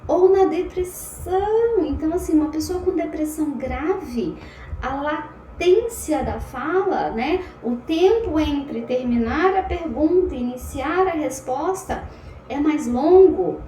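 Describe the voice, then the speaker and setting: Animated woman lecturer in a roomy space. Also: high voice. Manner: talks fast and a lot, animated, self-described anxious. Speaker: psychology lecturer. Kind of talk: online lecture. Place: home room at a computer. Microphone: computer audio. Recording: roomy sound, faint background noise.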